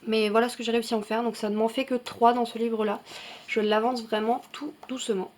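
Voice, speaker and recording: A woman with a slightly high voice chats through her finished coloring pages in a relaxed show-and-tell vlog. She talks loosely, full of little fillers and quick self-corrections as she goes. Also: a little hiss or hum. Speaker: coloring channel host.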